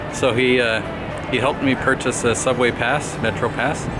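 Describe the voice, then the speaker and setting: At a moderate tempo, a man talks while music plays behind him. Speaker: travel vlogger. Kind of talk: casual vlog chat. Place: street. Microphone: phone near.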